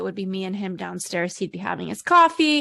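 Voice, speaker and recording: A woman with a Californian accent, medium-pitched, on a very clean recording with a silent background. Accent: General American (California). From Los Angeles, US West Coast. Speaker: career coach. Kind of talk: podcast interview.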